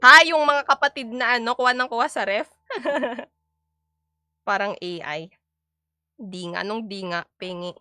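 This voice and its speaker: A woman's voice: a little high, a little slow, long pauses, sharp tone, clear, resonant tone, no room sound, clean studio sound. A young woman from the Philippines chatting playfully and giggling on a casual cooking live stream.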